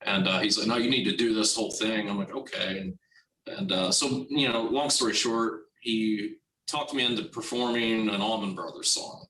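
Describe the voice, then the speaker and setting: A man telling a long casual story about his drumming career in an interview, animated and acting out the dialogue he quotes. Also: on the low side, normal speed. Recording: roomy, distant from the mic, faint noise.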